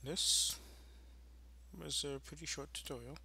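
A man presenting an informal screencast tutorial, explaining in a halting, improvised way. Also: a little high, steady tone, vocal fry, pushed and bright, slight background noise.

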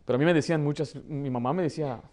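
A man in his thirties who grew up in the United States, preaching a lively sermon from a pulpit with a Mexican Spanish accent. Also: a little high, rapid-fire. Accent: Mexican Spanish, learned in the United States. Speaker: pastor. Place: church hall, plain indoor room.

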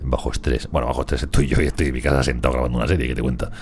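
A gaming streamer with a Spain Spanish accent gives casual let's play commentary in a bass voice, racing along with fairly even intonation. He rambles and chats, talking to his colonists as he plays.

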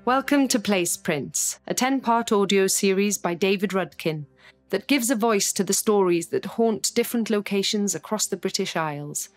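Measured woman announcer, medium pitch. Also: animated, faint music behind. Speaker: series announcer. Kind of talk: scripted introduction.

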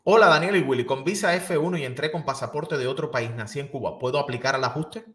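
A man's voice: mid-range voice, fast. A man in his thirties hosting a news show, interviewing a guest and reading viewer questions aloud at a studio mic. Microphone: studio microphone on boom.

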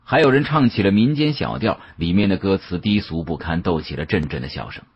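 A man narrating an audiobook as a dramatic storyteller, with an expressive, suspenseful delivery and a husky voice. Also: low-pitched, a little fast. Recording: dull, muffled audio.

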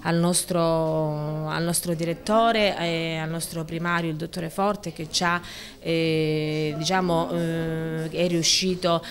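A woman's voice: low-pitched, steady tone, slow. A woman in her forties, an emergency room doctor, answering a reporter in a hospital corridor and hesitating over her words with many fillers and restarts. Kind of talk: on-the-spot news interview. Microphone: handheld reporter microphone.

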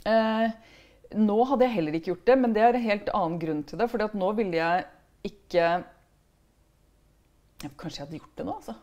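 A woman's voice: medium pitch, long pauses, a little mellow. A middle-aged woman, an author guest in a casual interview, who talks frankly and often ends her remarks with a tag question.

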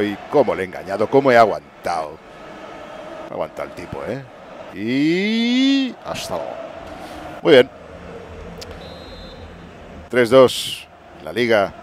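Man, gaming commentary, excitable, mock sports-caster, lowish voice, faint background hiss. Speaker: gaming channel host. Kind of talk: excited let's-play commentary. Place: home room at night.

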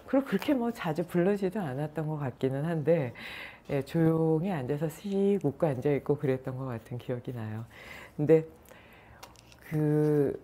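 A woman meditation yoga teacher telling stories in a soft-spoken, unhurried way. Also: low-pitched, expressive. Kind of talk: storytelling talk.

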